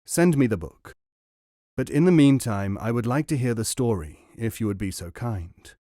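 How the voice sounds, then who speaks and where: A proud young Arab prince, formal and a little insistent, in an ordinary mid-pitched male voice, as a man reading puts him on. The sound is close and dry. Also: animated, moderate pace, mellow, dry recording, close to an everyday voice.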